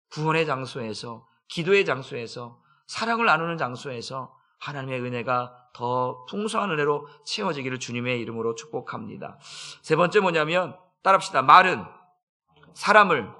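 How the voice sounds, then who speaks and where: A male pastor preaching a dawn sermon in church, swinging between loud, urgent bursts and soft, low asides. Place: church sanctuary.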